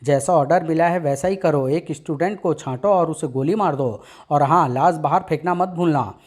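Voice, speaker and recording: A man's voice: a little high, moderate pace, darkish tone, close to an everyday voice. A cruel male hostage-taker from a narrated comic story, which a man voices. He issues threats in a cold, ruthless way. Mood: threatening.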